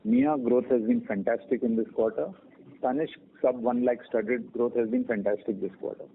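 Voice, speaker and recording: A man with an Indian accent, an executive answering questions in a measured, deliberate way over a narrow phone line. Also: mid-range voice, lively intonation, creaky, slight background noise. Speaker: company executive.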